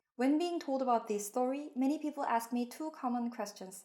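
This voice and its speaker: Speaking with a Korean accent, a woman uses lively intonation at a moderate pace. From South Korea. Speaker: translator and YouTuber. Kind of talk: talk to camera tutorial.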